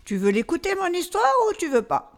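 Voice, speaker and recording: A woman's voice: very high voice, very animated, a little fast, full character voice. A woman playing a patient, easily flustered storyteller who coaxes a child along in a comic radio dialogue. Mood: mildly exasperated. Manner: hesitant, coaxing, as to a child.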